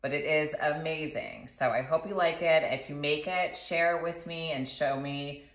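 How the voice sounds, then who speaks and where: A woman in her thirties casually walking through a recipe in her home kitchen, chatty and relaxed, filmed by a camera across the counter. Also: low voice, moderate pace. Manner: relaxed, chatty instructions with fillers. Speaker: doctor sharing recipes. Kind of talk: casual cooking demonstration. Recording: echoey kitchen, slightly distant.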